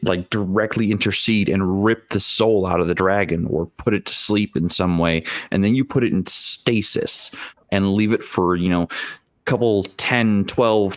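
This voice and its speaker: Man, fairly deep voice, close dry sound, halting phrasing, casual tabletop gaming talk. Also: no echo. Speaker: tabletop gaming show host. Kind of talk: casual discussion, explaining game ideas.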